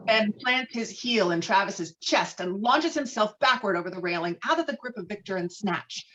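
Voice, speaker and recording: A woman's voice: medium pitch, expressive, moderate pace, fairly bright tone. A woman reading stage directions as the narrator of a dramatic script table read. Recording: dull, lo-fi call audio.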